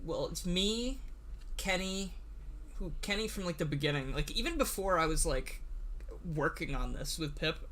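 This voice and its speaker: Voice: mid-range voice, animated, moderate pace, a bit bright. A livestream host and series writer chatting casually on a computer mic, nervous, stammering and laughing often.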